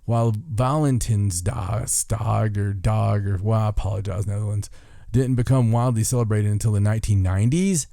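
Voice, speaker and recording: Mellow, low-voiced man hosting casually. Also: normal speed, creaky, no room sound, clean studio sound. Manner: folksy, self-interrupting, stumbles over foreign words. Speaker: podcast host. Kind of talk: reading listicle aloud with casual joking asides.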